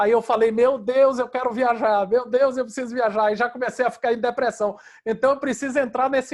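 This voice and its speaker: A man with an extremely high pitch, ordinary pitch variation and an animated tone, at a moderate pace against a quiet background. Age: 60s. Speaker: online interview show host. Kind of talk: casual chat. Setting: video call.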